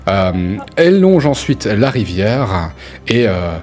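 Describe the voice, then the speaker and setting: A man's voice: fairly low pitch, sing-song, takes it slowly, a little mellow. A man improvising narration as a tabletop game master, in an informal, colloquial way. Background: background music.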